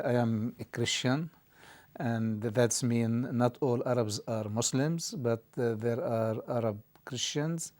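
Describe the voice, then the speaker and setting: Middle-aged guy, arabic first language, slow halting english w lots of uh, dark mellow voice. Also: mid-range voice. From Israel. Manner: halting, many "uh" pauses. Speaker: interview guest, theology dean. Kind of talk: interview answers.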